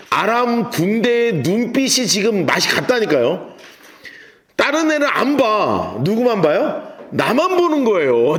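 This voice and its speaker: A pastor leading a lively Bible study lecture, acting out scenes and shouting the quotes. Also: male voice, high-pitched, reverberant. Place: church hall.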